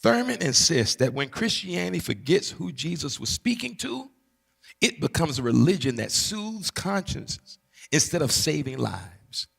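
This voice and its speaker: Unhurried, a pastor from Barbados teaches his congregation with a gravelly, husky voice full of lively pitch movement. He leans on emphatic repetition and preacherly call-and-response asides while a large hall's long reverb surrounds him.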